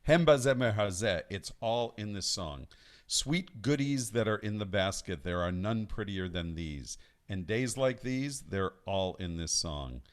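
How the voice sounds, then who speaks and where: Brief: male song leader, low voice, talks haltingly, restarts a lot, casual intro before singing. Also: animated. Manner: halting, searching for words with many restarts. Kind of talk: casual spoken introduction before singing at a live-streamed study night. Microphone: home setup singing over recorded accompaniment.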